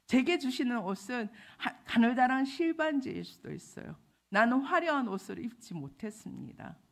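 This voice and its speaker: A woman's voice: a little high, lively intonation, normal speed, vocal fry. A middle-aged woman missionary giving an emotional testimony sermon, acting out the voices she quotes. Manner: emotional storytelling, acts out quoted voices loudly. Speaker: missionary preacher.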